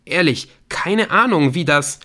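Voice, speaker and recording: Audiobook role: accused young boyfriend, voiced by a male narrator, urgent, lifted pitch, bright and tense. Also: expressive, measured pace. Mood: bewildered, defensive. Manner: earnest, urgent, defensive. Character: anxious, pleading young man, the accused boyfriend.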